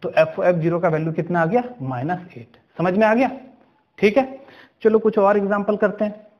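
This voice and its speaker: A male maths teacher with a high, steady voice takes the class through problems step by step at a slow pace, checking understanding with frequent questions. The recording has its highs cut off.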